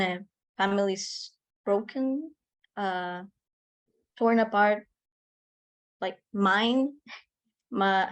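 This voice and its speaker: A woman speaks at a slow pace on a video call, offering personal testimony. She is halting and often searches for the next word, at a middling pitch. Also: poor audio. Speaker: audience participant in an online discussion.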